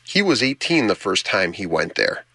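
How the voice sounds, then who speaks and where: A man's voice: lowish voice, sing-song, moderate pace, creaky, pushed and bright, no echo, clean studio sound. Man, Chicago accent, Greek as first language, radio news reporter, conversational scripted delivery. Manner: personal, conversational storytelling.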